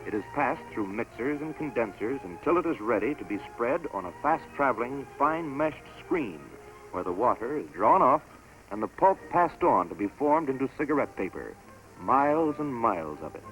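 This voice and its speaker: A man giving scripted narration for a promotional documentary film in a measured, stately announcer delivery. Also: medium pitch, big pitch swings, fairly bright tone, poor audio. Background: orchestral music score.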